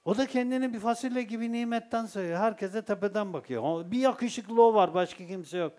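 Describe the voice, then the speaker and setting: A man's voice: high-pitched, a little fast. A man with a Turkish accent giving a religious Sufi talk, telling stories and asking his listeners rhetorical questions. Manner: lively storytelling with rhetorical questions. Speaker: Sufi teacher.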